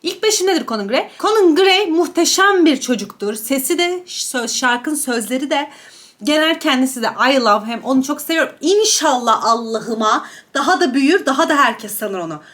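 Young woman, high voice, chatty and gossipy, eating while she talks, casual vlog. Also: expressive, normal speed, a bit bright. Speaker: beauty and gossip YouTuber. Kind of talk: casual mukbang chat reviewing celebrity outfits.

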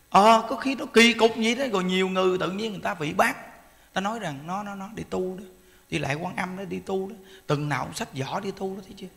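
A man, a Buddhist monk giving a sermon in a folksy, animated storytelling manner. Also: high-pitched, gravelly. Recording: long hall reverb.

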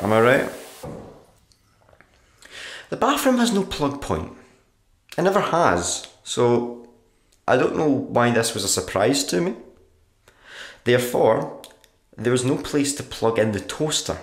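A man playing a sullen, sardonic writer narrating his diary in a black comedy radio play, dry and deadpan. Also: mid-range voice, a little slow, pauses often. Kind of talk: dramatic monologue, diary narration in a black comedy audio drama. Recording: roomy echo with background noise.

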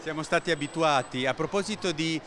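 A man's voice: a little high, brisk, fairly bright tone, a little hiss or hum. A man interviewing guests at a fair stand, chatty and rhetorical, elaborating at length before posing his questions. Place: indoor exhibition stand at a book fair.

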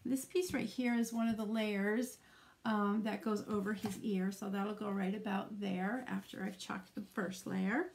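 A woman's voice: medium pitch, steady tone, unhurried, gravelly. A middle-aged woman demonstrating a craft live, explaining each step in a chatty way with frequent ums.

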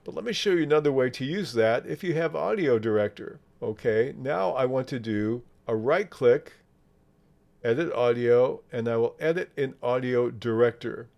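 Male software instructor, medium pitch, measured explanatory delivery for screen walkthroughs. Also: vocal fry, muffled recording. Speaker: software tutorial presenter. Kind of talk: step-by-step screen tutorial narration.

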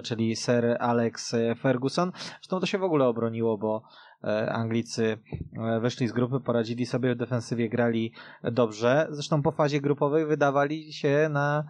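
Male sports radio host, conversational, mid-pitched, recorded dry. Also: darkish tone, dry recording. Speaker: radio host moderating a football discussion. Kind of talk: casual sports radio discussion. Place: radio studio.

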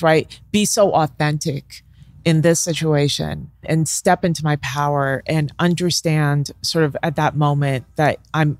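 A woman's voice: low-pitched, dry recording. A middle-aged woman, a negotiation professor, talking reflectively as an interview guest on a studio mic, often checking in with "right?". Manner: thoughtful, peppers talk with "right?" and "sort of". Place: bright studio with leather armchairs. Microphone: studio mic on boom arm.

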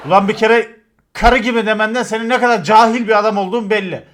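High-voiced man with crude, animated storytelling. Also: quick pace. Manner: animated, crude, swearing, acts out shouts. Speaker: streamer telling stories. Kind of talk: casual storytelling to stream chat.

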